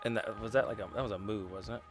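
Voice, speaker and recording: A man's voice: fairly low pitch, fairly even intonation, quick pace, faint music behind. A man playing a tabletop role-playing game, talking casually about his moves.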